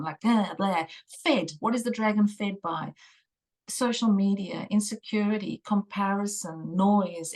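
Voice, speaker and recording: Earnest, emphatic middle-aged woman. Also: lowish voice. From South Africa. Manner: earnest and emphatic, mild swearing, lively storytelling. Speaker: guest, intuitive tarot reader. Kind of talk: conversational interview.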